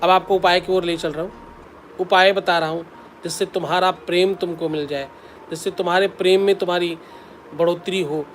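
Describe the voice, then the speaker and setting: A man's voice: high-pitched, steady tone, fairly quick, a little hiss or hum. A man, a spiritual teacher, giving devotional advice in an instructive way, repeating the key steps and intoning mantras.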